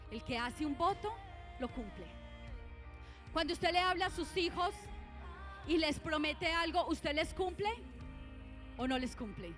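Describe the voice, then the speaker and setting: A middle-aged woman with a Colombian Spanish accent preaches to her church in a high voice. She exhorts the congregation and keeps firing questions at them, with faint music under her. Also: fairly bright tone. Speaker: pastor. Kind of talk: sermon.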